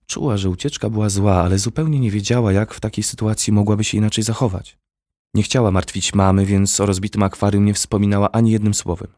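A man narrating a children's storybook in a measured, expressive reading. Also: on the low side. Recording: long hall reverb.

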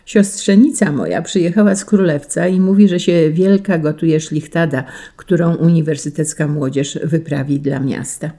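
A woman's voice: low voice, steady tone, moderate pace, hardly any pauses, mellow. A woman voicing a cheerful male estate tenant, urging guests persuasively in a read-aloud story.

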